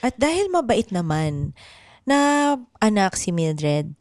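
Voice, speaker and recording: A woman's voice: lowish voice, very animated, slow, darkish tone, dry recording. A woman hosting an improv comedy show and narrating its radio drama into a close studio microphone.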